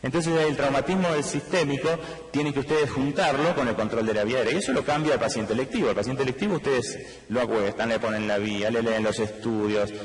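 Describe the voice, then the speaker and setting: Fast-talking Argentine man lecturing in a hall. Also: medium pitch. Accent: Argentine Spanish. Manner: explanatory, addresses audience directly with rhetorical questions. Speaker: anesthesiologist lecturer. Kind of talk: medical conference lecture. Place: large conference hall.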